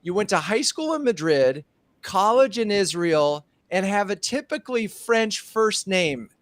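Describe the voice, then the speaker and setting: A man's voice: high-pitched, expressive, unhurried, a bit bright, dry recording. Male host, upbeat and chatty, home studio, dry mic. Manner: upbeat, scripted welcome then chatty questions. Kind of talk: live streamed marketing show.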